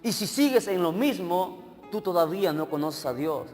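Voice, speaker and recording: A man with a high voice preaches a sermon in a church hall, with a long reverb trailing his words. He keeps asking his listeners questions and checking that they are with him, while faint music plays underneath. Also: lively intonation, moderate pace, darkish tone. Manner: questions the congregation directly, checking they follow. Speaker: evangelist preacher.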